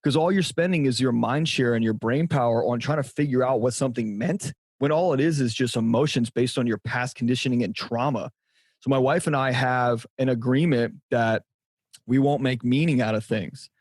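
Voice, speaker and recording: A man's voice: mid-range voice, normal speed, a little mellow, no room sound. A middle-aged man, a guest on a podcast, speaking directly and emphatically about relationships. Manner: emphatic, direct, repeats for stress. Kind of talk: conversational interview.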